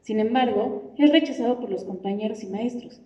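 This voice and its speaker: A woman's voice: a little high, normal speed, dark tone. Woman reading a question, dull echo. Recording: dull echoey room, distant.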